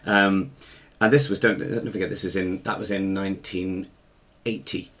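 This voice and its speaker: A man in his fifties, an interview guest who is a musician and choir director, speaks with an English RP accent in a low-pitched, flat voice at normal speed with a fairly bright tone. Originally from Africa and Ireland and later England, he tells personal stories conversationally, hesitating and correcting himself.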